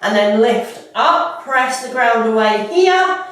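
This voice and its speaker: Woman instructor, a bit congested, high and unhurried; echoey room. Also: expressive. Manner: warm, unhurried cueing. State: slightly stuffy from a cold. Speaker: fitness instructor. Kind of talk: guided workout instruction. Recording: echoey room, mic at a distance.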